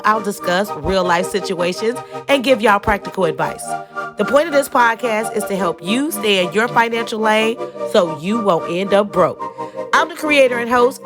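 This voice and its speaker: A woman hosting her own podcast, talking casually to listeners with a stuffy nose. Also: mid-range voice. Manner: chatty, folksy, addresses listeners as y'all, frequent "okay?". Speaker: podcast host. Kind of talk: casual solo podcast talk.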